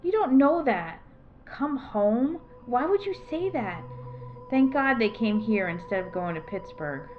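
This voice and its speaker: A woman's voice: a little high, lively intonation, measured pace, background noise. A woman playing a protective, anxious townswoman in an audio drama, urgent and scolding, with exasperation in her delivery. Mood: worried, scolding. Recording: dull, muffled lo-fi sound.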